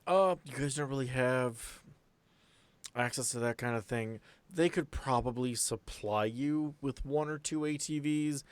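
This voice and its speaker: A man's voice: mid-range voice, a little slow, smooth, no echo. A man improvising tabletop game narration as game master, explaining things in a conversational way.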